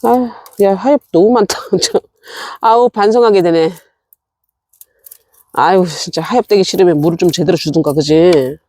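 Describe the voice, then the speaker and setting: A woman's voice: on the low side, moderate pace, long pauses, darkish tone, no echo. Middle-aged woman, casual vlog chat, talks to her plants, dry close sound. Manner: chatty, talks to her plants, scolds herself. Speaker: succulent-growing vlogger. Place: rural home.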